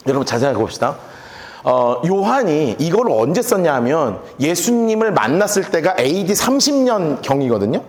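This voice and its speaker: A man preaching a sermon in a church, animated and playful as he acts out scenes. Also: fairly high pitch, moderate pace. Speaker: pastor. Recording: echoey church hall.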